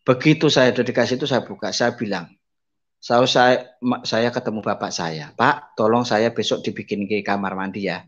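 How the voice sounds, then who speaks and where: A blind man gives an emotional personal testimony, addressing listeners as brothers and sisters, dropping to soft asides and raising his pitch to act out the people he quotes. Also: normal speed. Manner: acts out quoted voices with raised pitch. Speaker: testimony speaker. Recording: slightly dull lo-fi audio.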